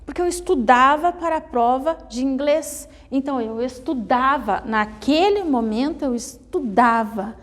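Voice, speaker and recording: High-voiced Brazilian teacher, slow and echoing. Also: female voice, lively intonation, a bit bright. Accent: Brazilian Portuguese. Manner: explains slowly, repeating and checking with "né?" and "tá?". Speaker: Portuguese teacher. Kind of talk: classroom grammar lesson.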